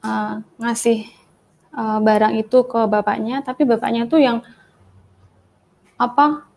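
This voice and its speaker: A woman's voice: a little high, a little slow, gravelly. A young woman, telling a personal testimony in casual talk and acting out the voices in her story. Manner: animated, acts out the dialogue of her story. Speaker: guest giving a testimony.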